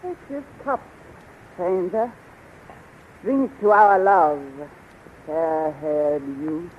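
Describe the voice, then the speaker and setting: A woman's voice: on the low side, very slow. A woman playing an imperious, seductive and scheming sorceress queen with a commanding, theatrical delivery in a 1930s radio serial. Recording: muffled, noisy 1930s radio recording.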